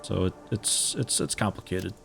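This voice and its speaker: Low-voiced man chatting through a stream. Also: fairly even intonation, normal speed, vocal fry, fairly bright tone, faint music behind. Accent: mixed American with picked-up European mannerisms. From United States. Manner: rambling, chatty, self-interrupting, amused. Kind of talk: casual live-stream chat while playing.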